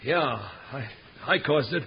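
A sneering western villain. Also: male voice, fairly high pitch, expressive, a little slow, slight background noise. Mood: cornered. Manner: taunting, then stammering. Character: sneering adult male gunrunning villain. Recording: muffled old radio transcription.

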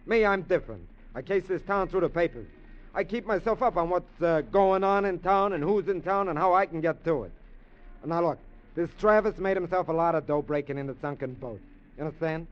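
A man's voice: on the high side, fairly quick, lightly acted. An actor playing an eager small-time male burglar with pushy street slang in a 1950s radio drama. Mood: scheming. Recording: dull old radio recording.

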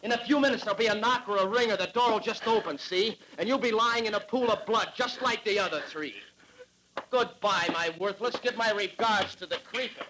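An actor playing a drunken, menacing private detective in a 1940s radio drama, slurring and swinging between tenderness and threats. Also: male voice, high-pitched, fairly quick, noisy background, lightly acted. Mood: agitated. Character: drunken hard-boiled male private eye, menacing.

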